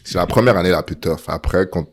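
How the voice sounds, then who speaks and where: A young man from Montreal with a Quebec French accent, telling stories as a podcast guest in animated casual chat, mixing in English slang. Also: sits low, a little fast, slightly rough. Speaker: guest football player.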